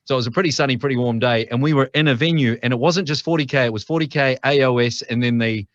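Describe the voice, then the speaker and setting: A man's voice: medium pitch, quick pace, no echo, muffled recording. A middle-aged man with a New Zealand accent, a podcast guest telling stories in a chatty way with frequent restarts. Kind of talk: casual interview chat.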